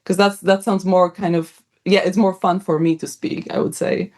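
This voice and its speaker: A woman's voice: lowish voice, flat delivery, normal speed, a little mellow. Chatty young woman. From Poland. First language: Polish. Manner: chatty, upbeat, with frequent laughs and fillers. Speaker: guest, writer and academic. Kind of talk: casual interview chat.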